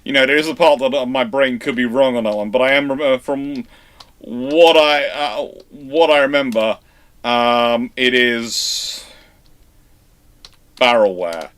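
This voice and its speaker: A man hosts a live history stream, his voice bright and forward. He talks in an animated way, tossing in quick asides and dry jokes as he answers questions. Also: mid-range voice, clear, resonant tone. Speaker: naval history channel host. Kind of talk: live Q&A chat.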